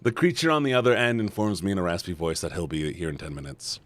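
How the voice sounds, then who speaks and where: A man streaming a story game, reading the text aloud and chatting playfully with his viewers in an animated way. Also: low voice, fast talker, no room sound. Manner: animated, playful, shouting at times. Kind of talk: reading a visual novel aloud to chat.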